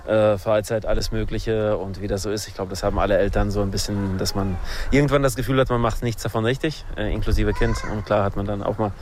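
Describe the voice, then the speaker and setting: Low-voiced father musing outdoors. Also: fast, slight background noise. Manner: thoughtful, rambling, relaxed. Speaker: father and author, interviewee. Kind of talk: street interview.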